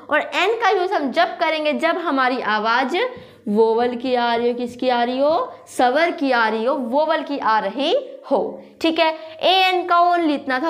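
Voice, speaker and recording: High-voiced woman teaching grammar. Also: animated, unhurried. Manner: quizzes listeners with repeated questions, spells words aloud. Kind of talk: classroom-style grammar lesson.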